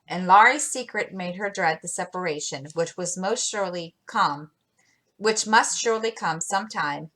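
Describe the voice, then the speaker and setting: A woman reading a classic novel aloud as a storyteller, with expressive delivery and occasional slips. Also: fairly low pitch.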